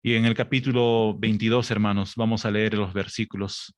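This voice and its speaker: A man preaching a sermon, speaking to the congregation as brothers and sisters, reading scripture slowly and building up to emphatic, raised passages. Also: fairly low pitch, little pitch movement, no room sound. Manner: reads scripture aloud with slow, stressed delivery.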